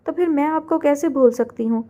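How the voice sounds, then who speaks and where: A woman's voice: high-pitched, a little fast, warm tone, natural voice. A woman voicing a heartbroken young woman who speaks through tears, reproachful and pleading.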